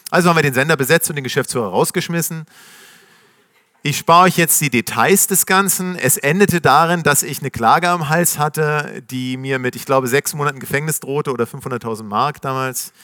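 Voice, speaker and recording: A middle-aged man telling his founder story to a live audience in a casual, slangy, animated way, acting out the voices of the people he quotes. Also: on the high side, brisk, dry recording, studio quality. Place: stage before a live audience.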